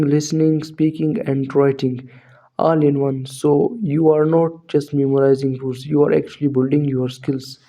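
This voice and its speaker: A man with a South Asian accent narrates a scripted lesson for language learners. His voice is very dark and soft-edged, a little high, and stays quite even in melody. He explains things in an encouraging, instructive way, as a native Urdu or Hindi speaker. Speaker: English teacher introducing an online course.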